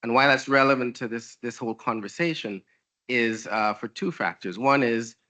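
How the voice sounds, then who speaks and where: A man from Trinidad and Tobago with a Trinidadian accent, speaking as a panelist on a conference stage in a measured, explanatory way. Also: mid-range voice, pushed and bright. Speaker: panelist, energy entrepreneur.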